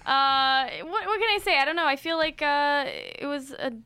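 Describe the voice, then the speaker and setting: A woman's voice: high voice, moderate pace, background noise. A woman chatting informally as a podcast panelist, with a giggly manner. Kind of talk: casual chat.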